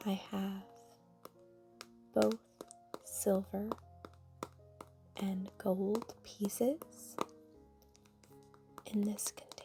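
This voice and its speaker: Over clear background music, a woman whispers at a very slow pace with long, frequent pauses. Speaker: makeup content creator. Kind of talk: ASMR unboxing. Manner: whispered. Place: home room.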